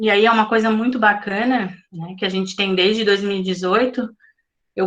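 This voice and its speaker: A woman uses an ordinary speaking voice at a moderate pace with ordinary pitch variation. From Florianópolis, Santa Catarina, southern Brazil. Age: 30s. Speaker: schoolteacher. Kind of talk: online live presentation. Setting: live stream.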